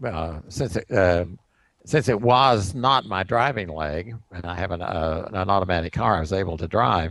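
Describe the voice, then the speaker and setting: Over a quiet background, a man with a very deep, low pitch speaks at a moderate pace with lively intonation. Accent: Southern US. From US South, East Tennessee and Atlanta. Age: 70s. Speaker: personal training client. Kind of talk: casual interview. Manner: halting, many fillers.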